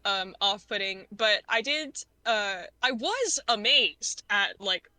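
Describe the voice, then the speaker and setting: A woman talks as a podcast guest in easy, casual conversation, often slipping into quoted asides. Her voice is bright and sits at a middling pitch. The close mic gives a dry sound with little room in it. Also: slow pace, dry recording. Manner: chatty, animated retelling with frequent quoted asides. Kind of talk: casual conversation about films.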